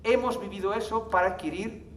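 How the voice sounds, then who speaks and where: A man giving a lively public talk to a live audience, asking rhetorical questions and joking. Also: high-pitched, brisk, far from the mic, a little hiss or hum. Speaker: conference speaker. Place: lecture hall with audience. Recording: echoey hall, voice from afar.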